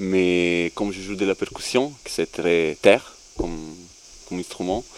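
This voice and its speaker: At a very slow pace, a man with a very deep, low pitch speaks with ordinary pitch variation. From Greece and Italy. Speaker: percussionist. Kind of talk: interview.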